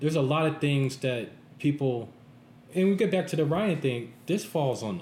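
Audible room echo surrounds a man with an American accent and a fairly high pitch. His somewhat breathy voice moves at a moderate pace with ordinary pitch variation. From Chicago. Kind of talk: casual chat.

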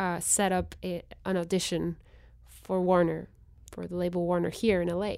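Speaking with a slight Spanish accent, a woman uses a dark, mellow tone at a medium pitch and moderate pace in a very clean recording with a silent background. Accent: light Spanish-accented English. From Guatemala. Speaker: singer-songwriter. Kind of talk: casual interview. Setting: studio.

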